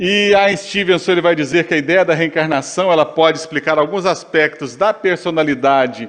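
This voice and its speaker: Pitched fairly high, a man talks at a moderate pace in a plain, everyday voice with ordinary pitch variation. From Brazil, Goiás. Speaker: physician lecturer. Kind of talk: conference lecture.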